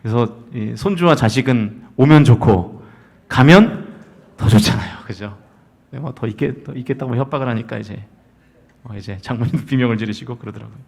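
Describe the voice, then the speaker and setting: A man in his forties preaching a Sunday sermon as senior pastor in a church sanctuary, swinging between loud emphatic calls and soft storytelling. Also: mid-range voice, fairly quick, vocal fry.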